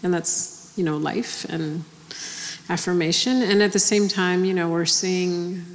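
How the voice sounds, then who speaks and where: A woman with a fairly low voice speaks earnestly and in measured phrases during an onstage conversation. Between her turns she murmurs soft agreement, and the sound rings with a long hall reverb. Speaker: conversation partner on stage. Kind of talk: onstage conversation before an audience. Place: large hall with an audience.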